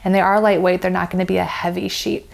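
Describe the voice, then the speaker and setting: Upbeat American woman with a gravelly edge. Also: fairly low pitch, flat delivery, quick pace. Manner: chatty, upbeat and enthusiastic. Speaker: product reviewer. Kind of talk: casual product review to camera. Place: bedroom, seated on a bed.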